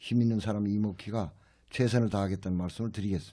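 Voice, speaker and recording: A man's dark, mellow tone comes through with a quiet background behind it. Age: 60s. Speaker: politician, parliamentary candidate. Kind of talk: radio interview. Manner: formal.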